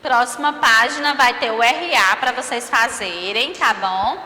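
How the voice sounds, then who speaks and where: In a roomy, long-reverb recording, a Brazilian woman with a Brazilian Portuguese accent teaches young children remotely. Her slightly high voice has a sharp tone and a measured pace. She draws out syllables and checks in with tag questions often.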